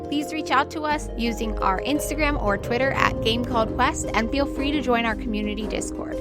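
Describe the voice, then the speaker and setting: A woman hosting as game master of a tabletop audio drama, narrating to listeners over a soft background bed. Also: a little high, a little fast, loud music behind the voice. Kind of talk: narrating an actual-play game, then scripted credits.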